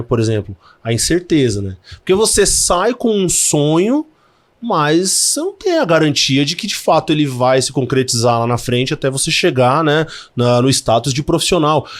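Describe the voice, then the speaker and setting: A man hosting a podcast interview, talking in a conversational way. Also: mid-range voice. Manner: conversational, tags lines with "né". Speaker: podcast host. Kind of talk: interview questions.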